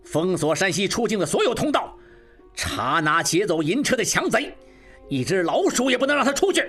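A man voicing a furious, domineering male official who shouts orders in an audiobook. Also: sits high, very animated, moderate pace, husky, faint music behind, heavily acted.

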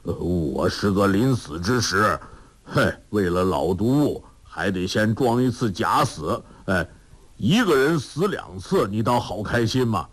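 A man's voice: fairly low pitch, very animated, measured pace, slightly rough, full character voice. A man voicing a childish, mischievous old man who talks with lots of little grunts and giggles. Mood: playful. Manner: giggly, full of interjections.

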